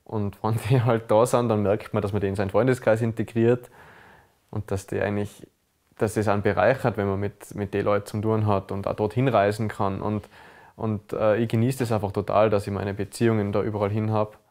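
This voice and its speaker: A man's voice: fairly low pitch, level tone, brisk, darkish tone. A young man with an Austrian accent, giving his thoughts in casual, reflective interview talk. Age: young adult.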